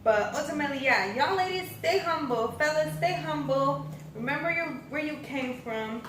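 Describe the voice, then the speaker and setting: A woman's voice: high-pitched, animated, moderate pace, fairly bright tone. Female American vlog host, casual and viewer-facing, roomy echo with faint background noise. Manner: informal, addresses viewers directly. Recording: echoey room, distant mic, faint noise.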